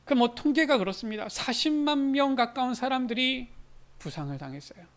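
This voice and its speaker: A male pastor preaching a sermon in a church, asking rhetorical questions and rising into loud, emphatic lines. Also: extremely high pitch, expressive, fairly quick. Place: church sanctuary.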